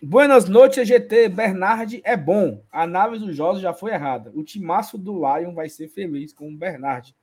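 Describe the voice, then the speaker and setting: Husky high-voiced man. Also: expressive, normal speed, few pauses, a little mellow. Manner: playful, reads comments aloud with greetings. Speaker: co-host of a fan channel show reading viewer comments. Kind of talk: casual live-stream chat.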